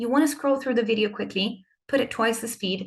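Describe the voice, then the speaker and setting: Somewhat breathy and fairly high-pitched, a woman speaks at a fairly quick pace. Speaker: webinar presenter. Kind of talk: webinar presentation. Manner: fast.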